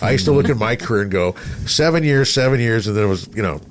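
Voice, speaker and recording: A man's voice: mid-range voice, animated, fast talker, slight background noise. A middle-aged man chatting casually as a radio personality, rambling through anecdotes and voicing remembered remarks. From Texas, United States.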